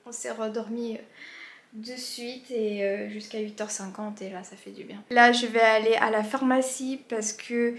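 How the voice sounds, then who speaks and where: A woman vlogging casually to camera with a stuffy nose from allergies, rambling and filling pauses as she talks. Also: on the high side, steady tone. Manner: chatty, rambling, with many fillers and restarts. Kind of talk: casual vlog chat to camera. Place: indoors in a holiday rental, later outdoors by a bay. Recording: roomy echo with faint background music.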